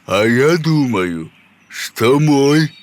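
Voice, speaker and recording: A slow, gloating forest spirit. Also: male voice, mid-range voice, expressive. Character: hungry forest spirit leshy, big, mocking and sly. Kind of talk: cartoon voice acting. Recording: music underneath.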